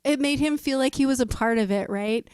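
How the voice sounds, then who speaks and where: Woman musician guest, chatty and giggly, fairly high voice, dry close sound. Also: a little fast, darkish tone, clean tone, dry recording. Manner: chatty, laughs often, tells corny jokes. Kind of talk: casual interview chat.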